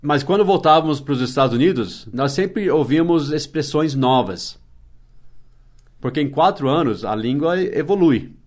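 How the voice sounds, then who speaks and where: A man's voice: on the high side, lively intonation, moderate pace, a little mellow. Patient bilingual man teaching a lesson. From Brazil. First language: English. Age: adult, past his teens. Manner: explains patiently, drops English example phrases into his talk. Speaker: English teacher, podcast host. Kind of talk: casual mini-podcast lesson.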